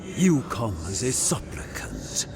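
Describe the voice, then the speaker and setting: A haughty ancient guardian spirit in a fantasy game. He declaims slowly and imperiously, his pitch moving widely, over clear music. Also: huge pitch swings, full character voice. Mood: stern, imperious.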